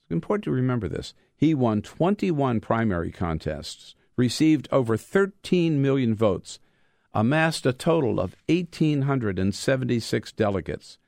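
A man who is an author reading from his own book, mixing measured, emphatic delivery with informal storytelling. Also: mid-range voice, sing-song, creaky, a little mellow, dry recording, clean studio sound.

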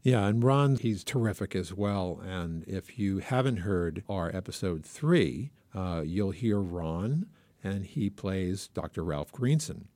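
A man's voice: low voice, lively intonation, slow, warm tone, no room sound. A man co-hosting a podcast, talking casually and rambling with frequent restarts. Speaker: podcast co-host. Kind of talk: casual chat.

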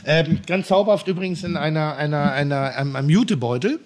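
A man's voice: a little high, fast. A man co-hosting a podcast, chatting casually and rambling, often repeating words as he searches for them. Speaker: podcast co-host. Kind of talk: casual chat.

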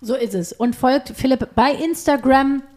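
A woman moderates a podcast in a casual, conversational style. Her voice is on the high side. She talks as a co-host steering an informal chat. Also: moderate pace, darkish tone.

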